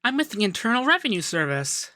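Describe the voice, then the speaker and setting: Man acting a bright-voiced, coy, effeminate young accountant. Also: high voice, very animated, a little fast, full character voice. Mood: polite, businesslike. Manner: coy, teasing, lilting, hesitant in places. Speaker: ASMR voice actor. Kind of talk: ASMR roleplay.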